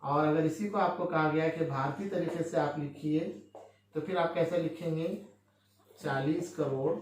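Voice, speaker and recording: Male teacher, fairly high voice, heavy room echo, faint hiss. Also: darkish tone. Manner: asks questions and answers them himself, with frequent tag checks. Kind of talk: classroom maths lesson.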